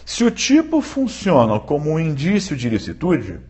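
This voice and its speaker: A man giving a live-streamed law lecture, often checking in with viewers and repeating key points slowly for emphasis. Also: fairly high pitch, huge pitch swings, a little mellow. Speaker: law teacher.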